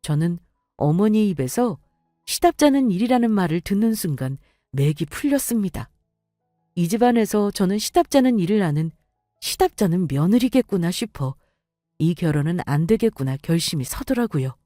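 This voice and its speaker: A woman's voice: on the low side, big pitch swings, normal speed, warm tone, dry recording, clean studio sound, soft background music. A young woman narrating her own story in an indignant, confiding way. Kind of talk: scripted first-person story narration.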